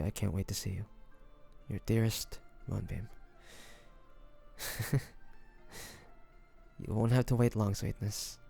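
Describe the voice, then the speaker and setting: A man's voice: on the low side, mellow, exaggerated voice. A man playing a devoted fantasy adventurer and healer in an audio roleplay, speaking intimately and earnestly. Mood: longing, tender. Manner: intimate, earnest, with breathy sighs. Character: devoted fantasy adventurer and healer, tender toward his dragon beloved. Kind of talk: dramatic audio roleplay addressed to the listener.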